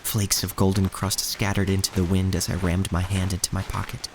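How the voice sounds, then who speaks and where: A man playing a solemn narrator who tells of a poor street childhood in measured, scripted audio drama storytelling. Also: deep voice, monotone, background noise. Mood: somber, measured. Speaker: first-person narrator. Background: music.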